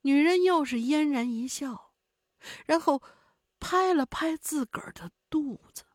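A woman's voice: sits high, measured pace, dry recording, studio quality. A woman narrating a spoken story, in a vivid and dramatic way.

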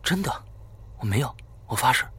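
A man voicing a seventh-grade schoolboy who gives hushed, eerie warnings during a ghost-summoning game. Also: fairly low pitch, moderate pace, vocal fry, slightly rough, heavily acted. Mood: insistent.

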